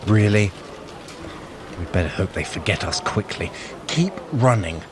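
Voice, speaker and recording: A man's voice: lowish voice, lively intonation, unhurried. A man playing a sly, impatient male trickster god in an audio adventure, giving clipped commands and sardonic remarks. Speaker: workout guide in audio adventure. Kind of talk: scripted audio drama with exercise cues. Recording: clear outdoor city ambience noise. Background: outdoor street sounds.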